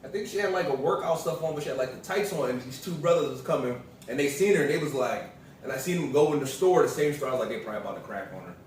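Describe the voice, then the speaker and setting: Relaxed man rambling in an echoey room. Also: fairly high pitch, fast talker, a little hiss or hum. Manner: relaxed, rambling, many fillers. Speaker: vlogger's partner. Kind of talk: casual storytelling chat. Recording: echoey room, mic at a distance.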